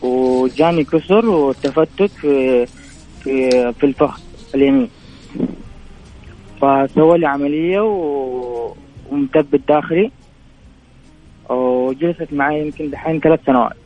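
A man calling in to a radio show, sounding distant and quiet, as if holding the phone away, and telling his story haltingly with many fillers. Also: a little high. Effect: distant, quiet phone line, as if the phone is held away. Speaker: caller. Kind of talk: call-in to a charity radio show. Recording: muffled phone call.

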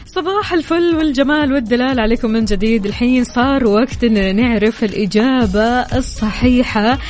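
High-voiced Saudi woman radio host over music. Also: brisk, darkish tone. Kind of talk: live radio presenting with contests. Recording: music playing behind the voice. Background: music bed.

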